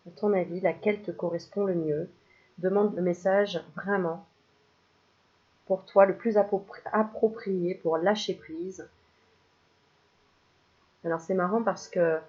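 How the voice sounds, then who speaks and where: Une femme qui tire des cartes de spiritualité, bavarde et joueuse, qui rit souvent et lance parfois des chants pour rire. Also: female voice, lowish voice, a little mellow, muffled recording. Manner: chatty, playful, laughs often, bursts into mock singing. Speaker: spiritual card reader. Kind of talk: casual card-reading video.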